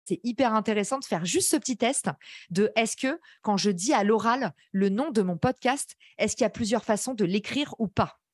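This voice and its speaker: A woman with a slight English-tinged accent leads a live workshop, talking fast and eagerly straight to her listeners. Her voice sits at an ordinary middle pitch. The sound is dry and close, with no room around it. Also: slightly rough, no echo. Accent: English-tinged French. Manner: chatty, enthusiastic, addresses the audience directly. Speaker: podcast course instructor.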